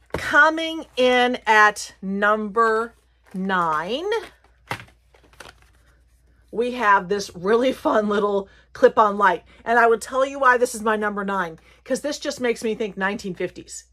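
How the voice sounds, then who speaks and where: A woman's voice: a little high, fairly bright tone, slight background noise. Chatty woman with a light Southern lilt. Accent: light Southern American. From Virginia, United States. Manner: rambling, chatty, self-correcting. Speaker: haul and craft vlogger. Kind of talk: casual chatty haul video.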